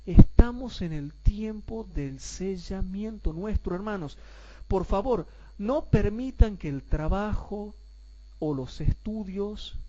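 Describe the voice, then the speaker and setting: A man teaching a Bible class, asking rhetorical questions and calling his listeners brothers, and repeating points slowly so everyone follows. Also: sits high, warm tone, dull audio.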